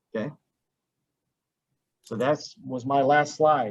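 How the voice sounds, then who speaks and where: With an American accent, a man speaks at a medium pitch and with fairly even intonation. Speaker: ladder safety trainer. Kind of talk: webinar presentation and Q&A. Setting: online webinar.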